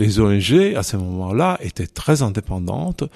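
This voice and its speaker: Very slowly, a man with a fairly low pitch and a dark, mellow tone swings his pitch very widely, in a dry, close sound with no echo. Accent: Italian. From Italy, Emilia-Romagna (near Reggio Emilia). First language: Italian (speaking French). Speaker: retired NGO director, diocesan solidarity coordinator. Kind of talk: radio interview. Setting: office. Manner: halting.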